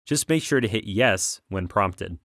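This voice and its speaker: Low-voiced man narrating a tutorial. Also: lively intonation, measured pace. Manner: clear step-by-step explaining. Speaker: tutorial instructor. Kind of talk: scripted software tutorial narration.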